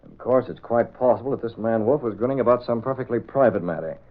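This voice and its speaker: An actor playing a calm, authoritative male hero in a 1930s radio drama, speaking in a measured way, on a scratchy, narrow old recording. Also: medium pitch, close to an everyday voice.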